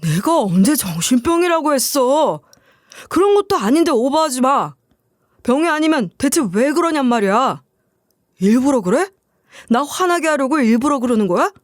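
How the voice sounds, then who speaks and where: A woman's voice: high voice, very animated, normal speed, no room sound, studio quality. A woman voicing an irritated husband who runs an appliance store, asking scolding questions. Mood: exasperated.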